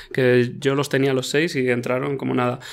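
The man's voice sits fairly high in pitch. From Spain. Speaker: podcast host. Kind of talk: casual interview. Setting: studio. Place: studio. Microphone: studio mic.

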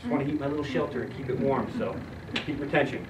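A man talks at a very fast pace. Audible room echo and light background noise are present. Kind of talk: lecture. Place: meeting room. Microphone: camera far.

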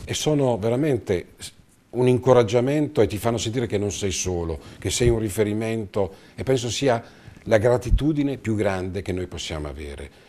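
A man talks at a moderate pace with a dark, mellow tone. His intonation is lively. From Marche, Italy. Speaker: mayor; guest. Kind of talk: interview. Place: studio. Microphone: lapel.

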